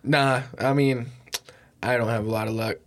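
Young man, mid-pitched, frat-bro manner, crude slang, casual podcast banter. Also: steady tone, moderate pace.

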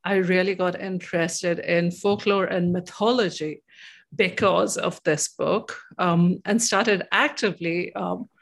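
Low-pitched, thoughtful woman. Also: steady tone, gravelly. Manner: thoughtful, hesitant, with frequent pauses and repeated words. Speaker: interviewee. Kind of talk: reflective interview talk about personal experience.

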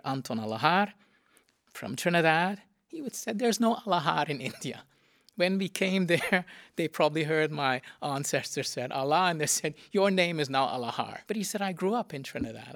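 A man's voice: fairly high pitch, creaky, a bit bright, no room sound, studio quality. A man being interviewed, explaining ideas in an emphatic, lecturing way and acting out quoted voices. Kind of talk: academic conversation.

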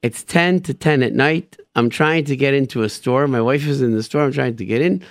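Creaky-voiced New man, emphatic radio host. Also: medium pitch, normal speed, no echo, clean studio sound. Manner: emphatic, repeats phrases, sprinkles in Hebrew and Yiddish expressions. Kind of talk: informal religious talk and personal storytelling.

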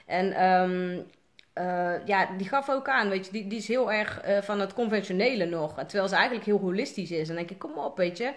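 A woman's voice: medium pitch, a little fast. A woman with a Dutch accent, a coach, chatting casually and rambling on a live video, with lots of fillers.

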